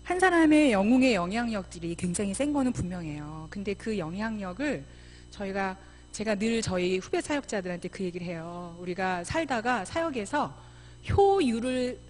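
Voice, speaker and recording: A middle-aged woman missionary giving a church seminar talk, lively, often acting out mothers and children in quoted voices. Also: mid-range voice, moderate pace. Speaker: missionary speaker. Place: church sanctuary.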